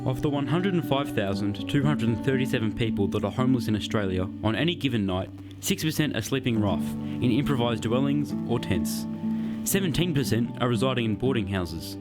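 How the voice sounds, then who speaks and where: A man narrating a script in a measured, even reading. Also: medium pitch, loud music behind the voice.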